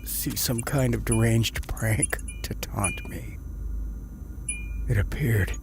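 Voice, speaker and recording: A man playing a weary, unnerved survivor telling his horror story in the first person, subdued and deliberate. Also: mid-range voice, vocal fry, heavy background noise. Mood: subdued unease.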